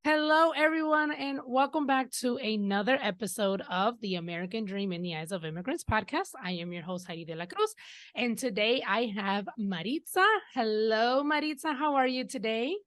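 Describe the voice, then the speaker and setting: A woman hosting a podcast interview over a video call on a headset microphone, chatty with quick asides. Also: on the high side, lively intonation, fairly bright tone. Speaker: podcast host.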